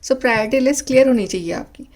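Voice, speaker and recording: A woman's voice: high voice, quick pace, darkish tone. A woman giving a spiritual tarot reading, talking earnestly in a coaching manner and mixing Hindi with English. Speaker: tarot reader.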